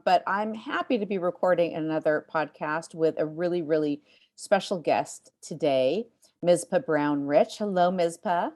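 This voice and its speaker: A woman hosting a podcast interview, chatty and easygoing, with lots of ums and easy laughs. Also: lowish voice. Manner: warm, chatty, many ums, laughs easily. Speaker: podcast host. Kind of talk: casual interview chat.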